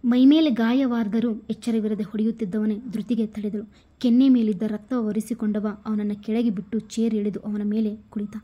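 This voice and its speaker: A woman's voice: on the high side, flat delivery, moderate pace, lo-fi sound. A woman with a Kannada accent narrating a serialized story, reading all the parts herself. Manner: reads every part herself, quotes louder than the narration. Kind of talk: scripted story narration with dialogue.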